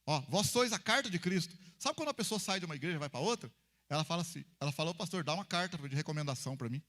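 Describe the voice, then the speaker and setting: A man's voice: fairly high pitch, lively intonation, rapid-fire, fairly bright tone. A pastor preaching a conversational sermon in church, acting out little dialogues between people to make his point.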